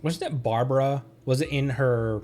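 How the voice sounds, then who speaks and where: A man's voice: mid-range voice, normal speed, a little mellow. A man livestreaming a game, chatting casually and reading dialogue aloud in a playful, rambling way. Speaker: streamer. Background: faint game music.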